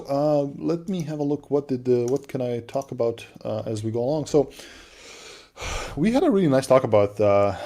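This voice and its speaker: A man with an accent co-hosting a livestream, answering viewer questions in a relaxed, chatty way with lots of fillers and restarts. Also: lowish voice. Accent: non-native English. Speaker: livestream co-host. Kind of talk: casual livestream chat.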